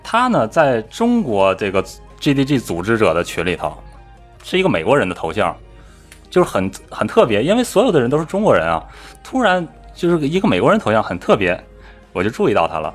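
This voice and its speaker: Male podcast storyteller, pitch swings wide, lively and mimicking, casual chat. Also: a little fast, soft background music. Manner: animated storyteller, mimics voices. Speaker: podcast co-host telling a travel story.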